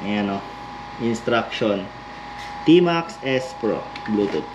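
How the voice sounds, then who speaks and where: A man's voice: fairly low pitch, lively intonation, very slow. A Filipino man hosting a vlog, chatting casually and jokingly while demonstrating a product in an informal, buddy-like way. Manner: jokey, informal, addresses listener as brother. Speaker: vlog host giving away and demonstrating a product. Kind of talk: casual chat and hands-on demonstration. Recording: noisy lo-fi recording with vehicle ambience.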